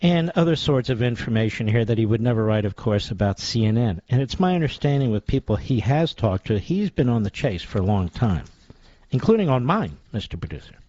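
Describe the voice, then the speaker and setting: A man's voice: mid-range voice, big pitch swings, a little fast, dark tone, dry recording. A man hosting a talk radio show, delivering a sarcastic, combative opinion monologue. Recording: dull lo-fi dry sound.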